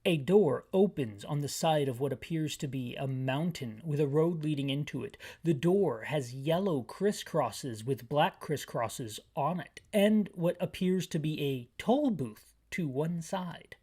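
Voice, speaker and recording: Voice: mid-range voice, lively intonation, a little slow, hardly any pauses, mellow, slightly rough. Wry, rambling game playthrough narrator. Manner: wry, rambling, self-interrupting asides. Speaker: let's player and audio describer. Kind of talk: descriptive game playthrough with comic rants.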